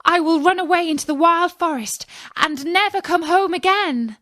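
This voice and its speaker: A woman's voice: normal speed, bright, forceful tone, dry recording, studio quality. A woman voicing a frightened, innocent little girl in a fairy tale, pleading urgently. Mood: desperate pleading. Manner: pleading, high-pitched and urgent. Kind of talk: storybook fairy tale character.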